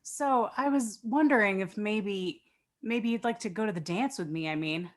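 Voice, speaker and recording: A woman's voice: mid-range voice, moderate pace, lightly acted. A woman playing a polite, hesitant, sincere teenage boy in a dramatic table read. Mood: shy, hopeful. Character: earnest, shy, polite teenage boy suitor.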